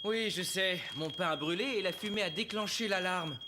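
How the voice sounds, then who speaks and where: A man's voice: sits high, moderate pace, background noise, natural voice. A man playing a kindly, encouraging young father in a children's cartoon, talking simply to his small son. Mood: lighthearted.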